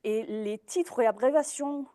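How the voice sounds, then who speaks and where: A young woman gives an informal presentation as a dietitian, sounding hesitant, with many fillers and restarts. Her voice is a little high and warm, her pace unhurried, and there is no room sound.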